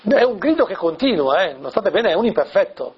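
A man's voice: high-pitched, big pitch swings, a little fast, a little hiss or hum. A man, a priest, explaining a scripture passage in a teaching talk, asking rhetorical questions and tagging lines with "eh?". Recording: dull lo-fi recording.

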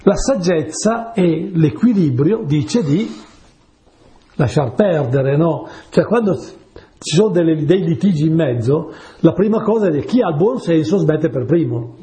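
A man's voice: on the high side, expressive, a little slow, warm tone, reverberant. A man preaching a sermon in a chatty way, telling stories and often asking his listeners whether they follow. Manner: chatty, asks the audience "capite?".

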